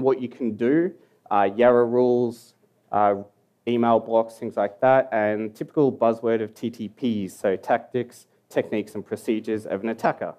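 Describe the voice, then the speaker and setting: A man's voice: on the low side, dark tone. A young Australian man with an Australian accent, giving a casual, joking conference talk that mumbles at times in a hall. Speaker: security conference speaker.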